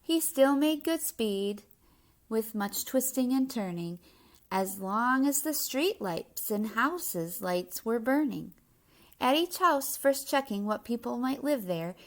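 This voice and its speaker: A woman reading a children's picture book aloud, with measured, expressive storytelling in rhyme. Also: on the high side. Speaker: story reader.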